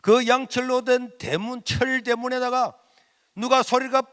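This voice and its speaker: A middle-aged pastor tells a story from the pulpit, his raised voice ringing through a big reverberant hall. He acts out the exchanges, dropping to a near-hush and then climbing back up. It is animated sermon storytelling. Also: very high voice, measured pace. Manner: animated storytelling, acts out dialogue with swings from loud to hushed.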